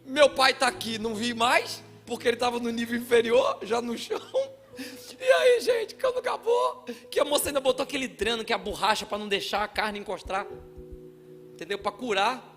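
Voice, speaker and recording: A man from Brazil preaching a sermon in a church, telling a story with acted-out voices and shouts. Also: very high voice, fairly quick, faint music behind. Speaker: pastor.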